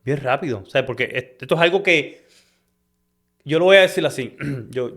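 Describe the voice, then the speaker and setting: A man's voice: medium pitch, animated, moderate pace, a bit bright. A man with a Puerto Rican accent hosting a Christian podcast interview, affirming his guest and slipping in English words. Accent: Puerto Rican Spanish. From Puerto Rico. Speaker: podcast host.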